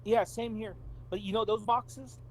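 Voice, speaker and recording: A man's voice: high voice, fairly even intonation, measured pace, slight background noise. A man co-hosting a podcast, chatting casually and bluntly about video games, emphatic and repeating himself to make his point. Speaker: podcast co-host.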